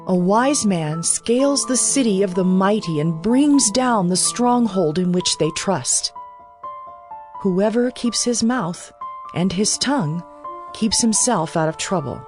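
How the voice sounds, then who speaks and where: Woman, medium pitch, composed measured reading, scripture audiobook style, music clearly underneath. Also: lively intonation, a little mellow. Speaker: scripture reader. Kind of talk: dramatized Bible audiobook narration. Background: background music.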